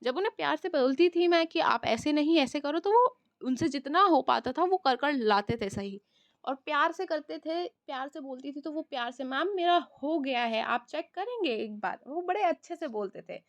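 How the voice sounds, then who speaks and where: High-voiced woman teacher in a dry room. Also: expressive, normal speed, no room sound. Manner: conversational, addresses students directly. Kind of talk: exam-prep lecture, mixing Hindi and English.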